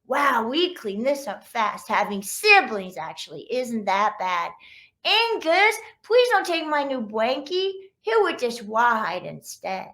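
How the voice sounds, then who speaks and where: A woman's voice: fairly high pitch, very animated, slow, fairly bright tone, heavily acted. A woman voicing young, squabbling puppy siblings in a children's storybook, in childlike, sing-song rhyme. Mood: conciliatory. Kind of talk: children's picture-book read-aloud.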